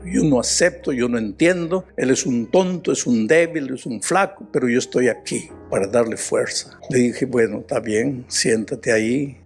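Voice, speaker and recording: A man's voice: medium pitch, a little mellow. Older male preacher, impassioned storytelling. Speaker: pastor. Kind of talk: sermon.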